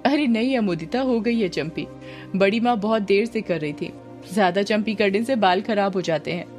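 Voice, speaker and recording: A woman narrator voicing a polite young man who speaks gently but firmly. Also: mid-range voice, moderate pace, faint music behind, close to an everyday voice.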